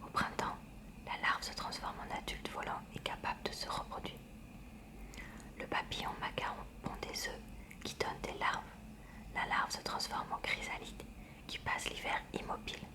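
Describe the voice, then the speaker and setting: Reading a school science textbook aloud as gentle ASMR, a woman uses a quiet, unvoiced whisper full of breath. She takes each line carefully and at a measured pace.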